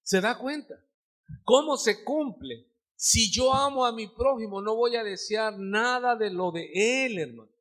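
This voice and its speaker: Older man, Mexican Spanish accent, pastor, live church sermon, high voice, unhurried, fervent questioning. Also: fairly bright tone. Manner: fervent, calls listeners "hermano", asks the congregation questions. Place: church sanctuary.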